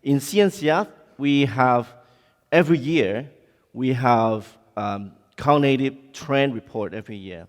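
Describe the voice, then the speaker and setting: Man, Hong Kong accent, mid-pitched voice, conference talk, halting informal delivery, long hall reverb. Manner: halting, informal, non-native English phrasing. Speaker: conference speaker. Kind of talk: conference presentation.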